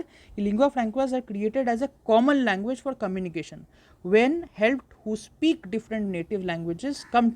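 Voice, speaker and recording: Young woman tutor, medium pitch, walks students through exam answers in a slow lecture. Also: warm tone. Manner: explains slowly, mixing English terms, with frequent fillers.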